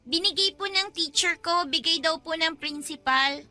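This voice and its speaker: Little Filipino schoolgirl, very high piping voice, bright, innocent, polite, childlike questioning, radio drama. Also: normal speed, exaggerated voice. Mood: innocent, curious. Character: innocent hungry young schoolgirl daughter. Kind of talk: Tagalog radio drama acting.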